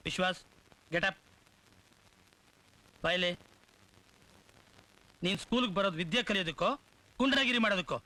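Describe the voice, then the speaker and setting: An actor playing a strict schoolteacher who calls the roll and scolds a pupil harshly. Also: male voice, high voice, normal speed, pauses often, pushed and bright, low-quality recording. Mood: brusque roll call. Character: harsh strict male schoolteacher, grown man, scornful. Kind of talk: dubbed film drama acting.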